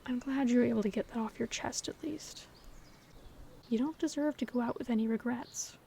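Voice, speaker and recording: A woman acting a gentle, hopeful best friend in an audio roleplay, talking to the listener in an earnest, reassuring, conversational way. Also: on the high side, normal speed, vocal fry, a little hiss or hum. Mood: concerned, comforting. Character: gentle, hopeful female best friend comforting her secret crush. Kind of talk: scripted audio roleplay, intimate one-sided dialogue to the listener.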